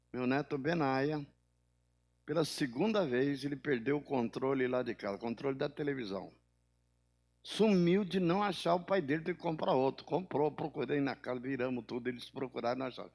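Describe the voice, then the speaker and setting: An older man, a pastor, preaching a sermon, rising suddenly in pitch and volume, then dropping low, and acting out the people in his stories in a higher voice. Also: gravelly, a little mellow.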